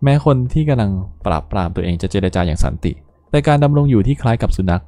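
A man's voice: on the low side, quick pace, no room sound, soft background music. A man hosting a gaming channel, reading game dialogue aloud and adding casual, slangy commentary to explain the jokes. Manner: lively storytelling, explains jokes in slangy asides.

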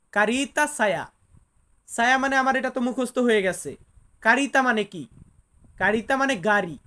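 A woman, teaching a language lesson online. She patiently repeats each phrase slowly so it can be drilled. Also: fairly high pitch, a bit bright.

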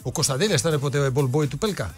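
A man's voice: on the high side, animated, a little mellow, soft background music. A man co-hosting a radio sports show, reading listener messages and asking puzzled questions. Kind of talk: casual radio banter. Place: radio studio.

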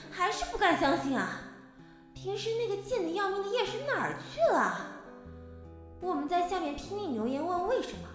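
A woman acts out an excitable young internet fan in an audio drama. The voice is very high and swoops about, gushing and theatrical, in a roomy recording with music behind. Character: excitable young female online fan gushing over her idols.

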